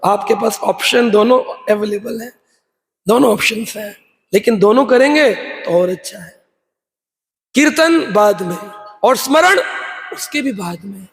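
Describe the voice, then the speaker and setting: A man delivers a devotional sermon with a strikingly high voice. He speaks emphatically, throws rhetorical questions at his listeners, and breaks into sung verses and loud chanting. His voice rings with the long reverb of a large temple hall. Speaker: preacher.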